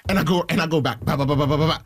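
A man from Haiti, a musician guest, telling stories in an excitable, animated way and jumping into high quoted voices. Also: racing, no room sound, clean studio sound. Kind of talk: casual interview storytelling.

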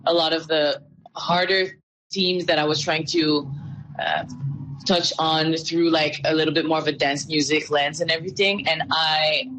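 A woman's voice: sits low, level tone, normal speed, a bit bright, poor audio. A woman musician talking enthusiastically in a casual interview at a festival, rambling with restarts. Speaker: musician guest. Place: outdoor festival, in a small shelter.

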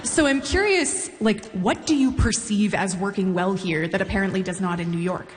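A woman's voice: mid-range voice, moderate pace. A woman interviewing a guest on stage, chatty and curious. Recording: reverberant hall.

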